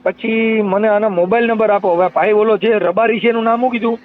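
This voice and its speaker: A man's voice: sits high, steady tone, a little fast. A man with a Kathiawadi Gujarati accent questioning someone informally by phone and repeating details back to confirm them. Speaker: host taking a caller's complaint. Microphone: telephone line. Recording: tinny narrowband phone call recording.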